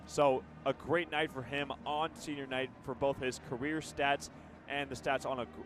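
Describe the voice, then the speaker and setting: A man's voice: medium pitch, level tone, normal speed, fairly bright tone, soft background music. A young man with an American accent giving conversational live football analysis on radio, now and then stumbling over words. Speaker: color commentator.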